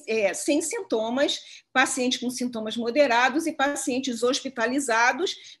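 Woman, slightly high voice, presenting research on a video call, halting delivery with frequent fillers. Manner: hesitant, many filler pauses. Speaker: lab head giving a symposium talk. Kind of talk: online academic presentation.

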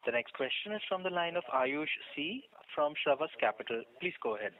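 A man's voice: on the high side, animated, fairly quick. A man moderating a conference call, giving scripted announcements of the next question. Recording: distant noisy phone line.

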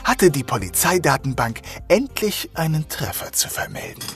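A man's voice: a little high, huge pitch swings, moderate pace, faint music behind. A man playing a dogged, sardonic detective inspector in a German crime audio drama, speaking in a pointed, pressing way. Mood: narrating.

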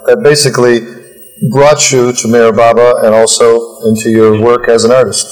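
A man's voice: mid-range voice, flat delivery, moderate pace. Forties guy presenting a tv talk program, reverby room, some music behind. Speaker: host, interviewer. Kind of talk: TV interview presenting. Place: TV studio, indoors.

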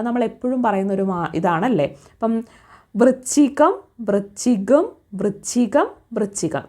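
Woman as an exam coach, drilling quiz answers by repetition and rhetorical questions. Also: medium pitch. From Kerala.

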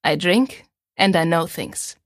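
A woman's voice: lowish voice, takes it slowly, dry recording, studio quality. A woman reading a teasing young man. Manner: teasing, playful. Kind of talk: audiobook character voice.

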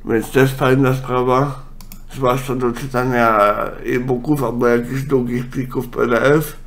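A man, a congested nose and a speech impediment, giving a casual, halting software walkthrough. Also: mid-range voice, little pitch movement. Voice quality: congested, blocked-nose sound; speech impediment, imperfect articulation. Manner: halting, with self-corrections. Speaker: software tutorial presenter.

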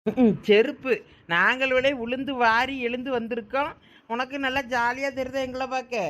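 A woman playing a sharp-tongued, middle-aged village woman who scolds and grumbles, with a Thoothukudi Tamil accent. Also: high-pitched, steady tone, normal speed, slight background noise. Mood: grumbling.

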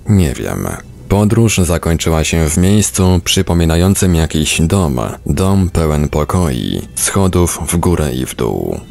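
A man with a very low voice and a creaky, gravelly edge reads a book aloud. He delivers it as scripted first-person narration, in the role of an audiobook reader. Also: a little mellow.

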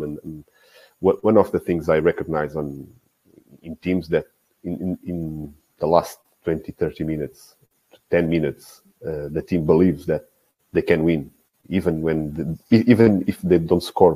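Halting, husky, deep-voiced man on a video call. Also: steady tone, mellow, low-quality recording. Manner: halting, many restarts and repeated words. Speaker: guest football coach. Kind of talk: casual interview talk. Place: small indoor room. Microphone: video call, earphones with mic.

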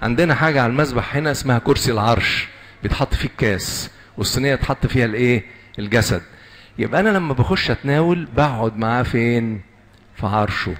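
A man with an Egyptian Arabic accent preaching a sermon to young people, quizzing the audience and drawing out lists slowly and emphatically. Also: medium pitch, lively intonation, fairly bright tone. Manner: asks the audience questions and answers them. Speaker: lay preacher.

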